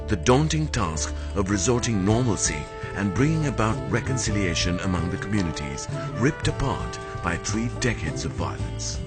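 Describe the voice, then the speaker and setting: A man reading a formal, scripted documentary narration in a measured way. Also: low-pitched.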